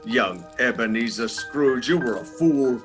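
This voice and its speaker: A man's voice: medium pitch, lively intonation, unhurried, over music, close to an everyday voice. A man playing a regretful, anguished old miser in a radio play, with a theatrical delivery.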